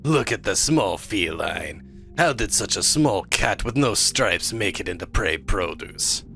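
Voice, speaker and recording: A man voicing a sneering low-voiced tiger bully. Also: lively intonation, a little slow, gravelly, bright, forceful tone, faint music behind, heavily acted. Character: menacing male tiger bully with mock-Russian growl.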